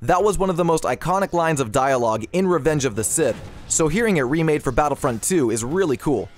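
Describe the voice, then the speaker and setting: A man's voice: fairly high pitch, expressive, brisk. A man presenting scripted video game news commentary as the host of an online channel.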